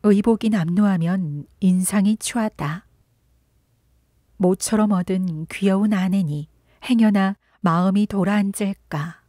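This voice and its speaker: A woman narrating a literary audiobook in a gentle, unhurried storytelling voice that sometimes drops into a whisper. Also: mid-range voice, dry recording, studio quality. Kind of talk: soft literary audiobook reading.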